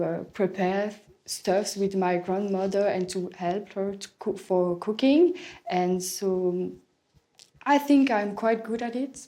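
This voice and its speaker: A woman's voice: mid-range voice, mellow. A young woman from Belgium, hesitantly answering exam questions in simple English, searching for words. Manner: hesitant, searching for words, non-native phrasing. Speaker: English speaking test candidate.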